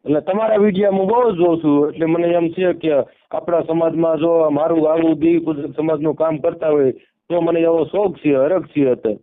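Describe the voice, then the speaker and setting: Rural Gujarati male caller, fairly high voice. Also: steady tone, fairly quick. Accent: Saurashtra Gujarati. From Amreli district, Gujarat, India. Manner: deferential, repeats himself. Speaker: caller seeking help. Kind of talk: informal phone conversation. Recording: narrowband phone call audio.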